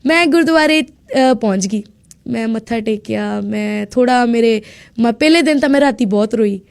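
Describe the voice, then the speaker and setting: A young woman from India, a student guest on a radio show, telling her story in a lively way and acting out what people said. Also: a little high, normal speed, creaky. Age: young adult. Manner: lively storyteller who acts out quoted speech. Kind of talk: casual storytelling interview.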